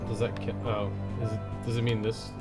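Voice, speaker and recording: Offhand man streaming over loud guitar music. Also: fairly low pitch, completely flat delivery, brisk. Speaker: game streamer, host. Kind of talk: casual live gameplay commentary, chatting with viewers. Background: loud game music with plucked guitar.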